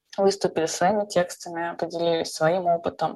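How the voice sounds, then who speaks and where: A woman speaks in a fairly low voice with ordinary pitch variation. The background is quiet. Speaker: poet and feminist activist. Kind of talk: interview with poetry reading.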